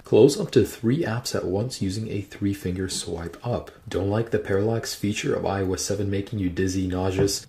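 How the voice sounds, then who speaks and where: A man with a low, darkish voice hosts a screen-recorded tech tutorial, guiding viewers step by step through phone settings in an instructional way.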